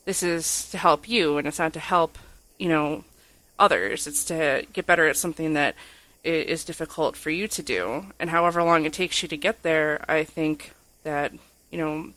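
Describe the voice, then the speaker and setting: A woman's voice: low voice, fairly bright tone, no room sound. A woman co-hosting a podcast, telling personal stories casually in a candid, self-deprecating and sincere way. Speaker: podcast co-host.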